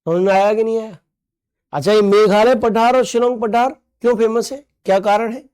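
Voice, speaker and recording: High-pitched man teaching an exam-prep class. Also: steady tone, normal speed, a little mellow, smooth. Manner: playful, joking with students' comments; repetitive drilling of terms with quiz questions. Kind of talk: online exam-prep lesson.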